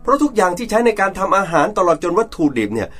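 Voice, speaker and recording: A man plays a domineering wealthy businessman and father with a high-set voice. He talks in a bossy, scolding, self-righteous way, and faint music plays under the drama scene. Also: big pitch swings, very fast, a bit bright, heavily acted. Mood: irritated. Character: domineering rich middle-aged businessman father.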